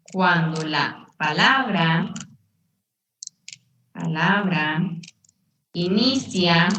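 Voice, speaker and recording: A woman's voice: mid-range voice, bright, forceful tone. A female English teacher, patiently explaining a lesson and quizzing her class. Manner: patient, repeats and asks the class questions. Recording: echoey room, distant mic.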